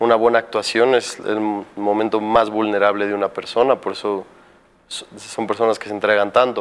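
At a medium pitch, a man delivers his words at a moderate speed. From Mexico. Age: 20s. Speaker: film and music video director. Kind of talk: interview.

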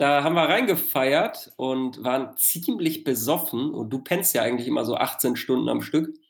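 With hardly any pauses, a man with an ordinary speaking voice talks at a moderate pace in a fairly high pitch with ordinary pitch variation. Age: 20s. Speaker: jingle maker and friend of a host. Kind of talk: casual chat. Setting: remote call.

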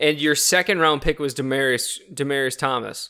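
With an unremarkable speaking voice and a fairly high pitch, a man talks at a fairly quick pace in a very clean recording with a silent background. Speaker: podcast co-host, football fan. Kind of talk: casual chat, sports talk. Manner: casual, excitable.

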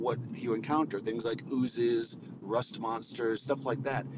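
Noticeable background noise can be heard behind a man's voice. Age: 40s. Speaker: listener calling in, tabletop gamer. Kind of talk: voicemail.

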